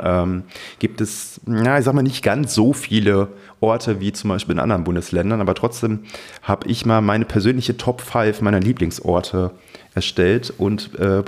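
A man's voice: fairly low pitch, darkish tone. A man co-hosting a podcast, chatting in an enthusiastic, informal way. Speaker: podcast co-host and hobby drone pilot. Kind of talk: casual podcast chat.

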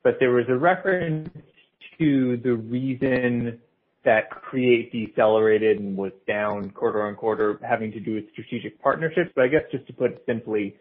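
A husky-voiced man, an analyst politely asking questions on an earnings call over a thin line. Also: mid-range voice, normal speed. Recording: tinny, phone-like call line.

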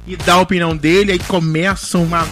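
A man with a high voice co-hosting a relaxed podcast. He lays out his opinions step by step in an easygoing way. Faint music plays underneath. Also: brisk. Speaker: podcast co-host. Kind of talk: casual chat.

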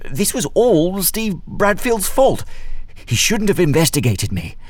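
Stammering older crime boss, high-strung. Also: male voice, very animated, a little slow, dry recording, exaggerated voice. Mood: defensive, smug. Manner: stammering, wheedling, self-justifying. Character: cornered older thin grey crime boss, smug then pleading. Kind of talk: audio drama acting.

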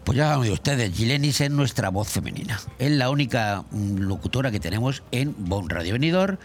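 Lively, jokey radio host. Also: male voice, mid-range voice, brisk. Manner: jokey, talkative, teasing questions. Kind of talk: casual radio interview.

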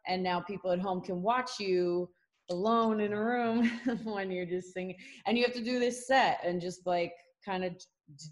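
Rambling woman guest, slightly low voice. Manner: rambling, many fillers. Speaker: singer, guest. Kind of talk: casual interview answers.

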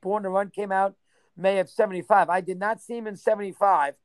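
A man in his sixties, reminiscing in a casual interview, rambling and rattling off names in quick bursts. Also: sits high, fairly even intonation, no echo. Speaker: interview guest.

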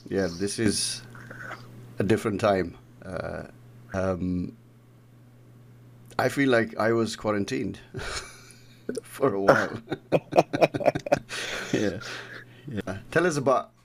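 Gravelly-voiced male podcast host. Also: fairly low pitch, takes it slowly, pauses often. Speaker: podcast host and trading mentor. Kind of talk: podcast interview.

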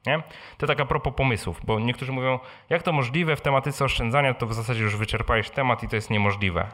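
A man's voice: mid-range voice, quick pace, fairly bright tone. A man hosting a live question-and-answer session, speaking informally and conversationally, often tacking on short tag questions. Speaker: blogger and podcast host answering audience questions. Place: live meeting in a room with an audience.

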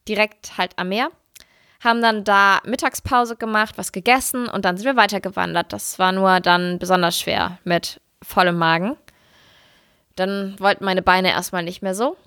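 Casting: female podcast co-host, mid-pitched voice, relaxed conversational anecdotes, very dry studio-like sound. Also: moderate pace, clean tone, no room sound. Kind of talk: casual chat, personal anecdotes.

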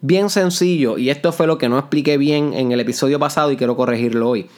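A man's voice: mid-range voice, fast. A young man from Puerto Rico with a Puerto Rican accent, hosting his own motivational podcast in an earnest, explanatory way, slipping English words into his Spanish. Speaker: podcast host. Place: parents' house in the countryside. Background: neighbor's old music and roosters.

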